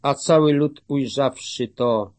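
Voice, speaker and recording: A man giving a scripted Bible reading in a measured, solemn manner. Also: medium pitch, darkish tone, dry recording. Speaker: scripture reader.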